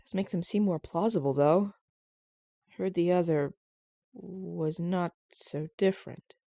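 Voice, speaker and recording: Woman voicing a mellow, courteous young guardsman. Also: lowish voice, creaky, no echo, studio quality. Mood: mildly amused. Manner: courteous, measured, formal phrasing. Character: polite, gently proper fantasy guardsman, younger man. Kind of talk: fantasy audio drama acting.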